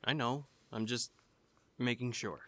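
A young man in a scripted audio drama, speaking with dry, wary deadpan. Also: medium pitch, measured pace, no room sound.

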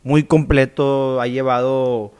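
A man with a Mexican accent hosting a casual interview, asking relaxed, curious questions. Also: mid-range voice, slow, clear, resonant tone. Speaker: podcast host.

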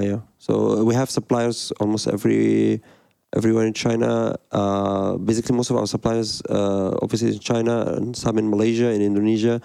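A design studio director from Egypt, in his thirties, answers interview questions hesitantly, full of fillers and restarts. His lowish voice is gravelly and fry-edged with a dark, mellow tone, recorded dry and close with no room sound.

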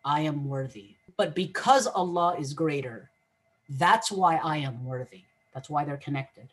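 A middle-aged man with a husky voice, a guest explaining things in an earnest, casual conversation and often repeating words as he thinks. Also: a little high, a little slow. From Egyptian family, English first language. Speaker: guest, mental health practitioner.

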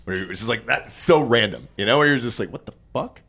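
Low-pitched, hungover man chatting casually. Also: animated, quick pace, fairly bright tone, husky. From Georgia, United States. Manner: laid-back, heavy swearing. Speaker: podcast host. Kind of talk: casual chat, anecdotes.

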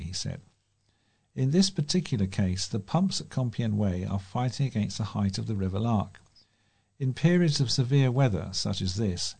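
A man's voice: on the low side, vocal fry, a little mellow. A man with a British accent reading local news aloud as a volunteer newsreader.

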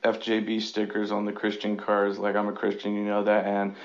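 A man calling in to a talk show, his low voice gravelly with fry. He hesitates and fills his sentences with "um" and "like." The line is dull and muffled. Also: monotone, brisk. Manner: hesitant, filler-heavy. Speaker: caller. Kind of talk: casual phone call.

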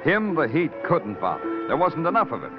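A wry hard-boiled detective. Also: male voice, fairly high pitch, wildly swooping pitch, moderate pace. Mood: brooding, wry. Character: hard-boiled detective narrating, world-weary man. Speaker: detective narrator. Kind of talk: 1940s radio acting. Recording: dull lo-fi 1940s radio recording with music.

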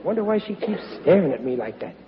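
An actor playing a bumbling, flustered middle-aged husband in a 1940s radio comedy, stammering in folksy talk. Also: male voice, sits high, very animated, quick pace. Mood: amused. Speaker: lead in radio sitcom. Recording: echoey, lo-fi old radio broadcast. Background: studio audience and noise.

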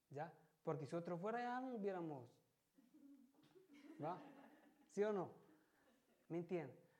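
A man's voice: high voice, mellow. Conversational lay preacher, man. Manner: conversational, constantly checks with listeners. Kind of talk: church sermon.

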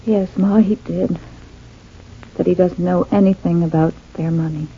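Actress doing a hesitant earnest daughter, tinny old radio sound. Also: female voice, fairly low pitch, fairly even intonation, moderate pace, a little hiss or hum, close to an everyday voice. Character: troubled grown daughter of a family. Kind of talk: 1940s radio acting.

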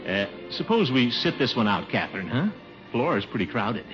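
An actor playing a pompous, blustering middle-aged water commissioner in a 1950s radio sitcom, boastful and chuckling. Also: male voice, medium pitch, very animated, normal speed, music in the background, natural voice. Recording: dull old radio broadcast recording.

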